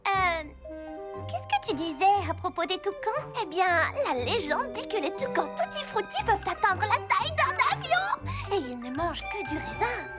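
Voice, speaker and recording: A woman's voice: very high-pitched, very animated, moderate pace, loud music behind the voice. A woman voicing a spirited, talkative young girl in a French cartoon dub, speaking expressively and with emphasis. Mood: matter-of-fact.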